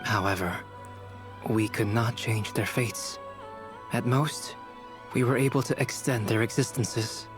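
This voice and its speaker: Man playing a calm, formal game advisor, mid pitch, music clear behind. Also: close to an everyday voice. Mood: measured. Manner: measured, formal.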